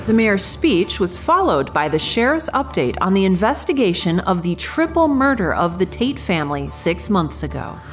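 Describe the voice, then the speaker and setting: Animated radio newsreader played by a woman. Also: mid-range voice, normal speed, few pauses, faint music behind, close to an everyday voice. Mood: composed, businesslike. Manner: crisp, formal announcer delivery. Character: composed female local radio newsreader. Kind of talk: scripted radio news bulletin.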